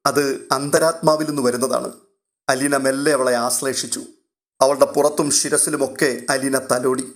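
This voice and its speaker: A man narrating a serialized novel in a steady, even storytelling manner. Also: medium pitch.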